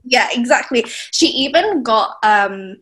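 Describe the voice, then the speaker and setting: A woman's voice: on the high side, animated, slow pace, a bit bright, poor audio. A young woman from Thailand, a blogger being interviewed, chatting casually with lots of fillers and laughs. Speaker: blogger, guest.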